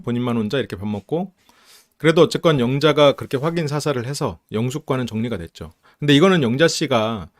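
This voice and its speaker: A man hosting a psychology channel, giving casual commentary on a dating show and acting out quoted lines in quick bursts. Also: medium pitch.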